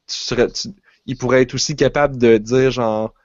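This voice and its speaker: A man's voice: mid-range voice, steady tone, normal speed, no room sound, highs cut off. A man with a Quebec French accent chatting casually on a podcast, rambling with restarts and fillers. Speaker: podcast co-host. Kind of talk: casual chat.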